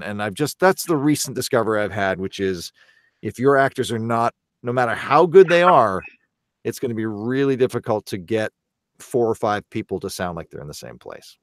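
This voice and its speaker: A man hosting a casual podcast panel over a remote call, thinking out loud in long, rambling sentences with restarts. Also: on the low side, no echo. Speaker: podcast host.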